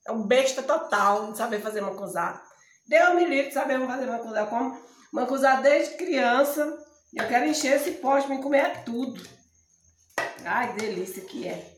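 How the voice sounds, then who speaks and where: A middle-aged woman from Ceará with a northeastern Brazilian accent, hoarse, chatting and joking to camera in her home vlog. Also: sits high, expressive, normal speed, a bit bright. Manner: joking, chatty, laughs often. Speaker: vlogger. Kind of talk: casual chat to camera. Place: small room indoors at home. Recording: echoey room.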